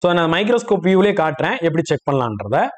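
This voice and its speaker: Man, higher-pitched voice, rapid delivery, technical instructor, explanatory tutorial style. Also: big pitch swings. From India. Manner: explanatory, checks understanding with short questions. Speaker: phone repair instructor. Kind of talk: spoken tutorial, step-by-step explanation.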